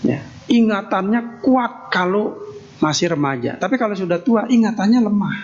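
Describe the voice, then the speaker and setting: Folksy monk preaching in a lo-fi hall. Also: male voice, high voice, sing-song, normal speed, darkish tone. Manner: folksy, jokey, tags nearly every phrase with "ya". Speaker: Buddhist monk giving a Dharma talk. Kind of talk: sermon. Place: temple hall. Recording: dull lo-fi sound with faint noise.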